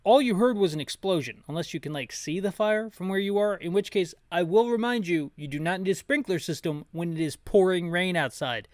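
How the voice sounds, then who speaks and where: A man with a slightly higher-pitched voice commentates on a video game in a casual, rambling way. He is sarcastic and nitpicky, and the sound is close and dry. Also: fairly quick, hardly any pauses, no echo. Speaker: video game playthrough host and narrator. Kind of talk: casual gameplay commentary with rants.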